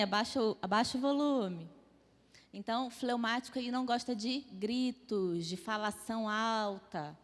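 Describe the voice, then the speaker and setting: A woman teaching a church class on temperaments, lively and acting out little dialogues as examples. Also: a little high. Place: church hall. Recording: long hall reverb.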